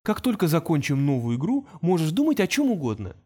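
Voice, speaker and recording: A man's voice: fairly high pitch, big pitch swings, a little fast, darkish tone, slightly rough. A man voicing a patient teenage boy genius who talks in a precise, lecturing way.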